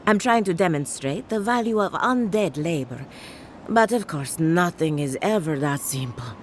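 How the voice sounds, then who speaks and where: A woman's voice: on the low side, expressive, moderate pace, natural voice. Woman voicing chatty undead-farm lady in a fantasy game, blithe and wry, very swoopy delivery, faint noise behind. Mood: exasperated, proud. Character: chatty, morbidly cheerful female necromancer farmer. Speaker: game character. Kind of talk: scripted video game dialogue.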